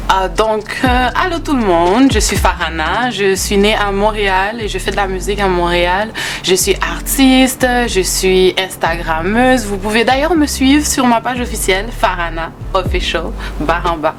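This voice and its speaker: A woman who grew up in Haiti, a singer speaking as a guest in a casual interview, soft-spoken and hesitant, with many fillers. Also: mid-range voice, moderate pace, faint music behind.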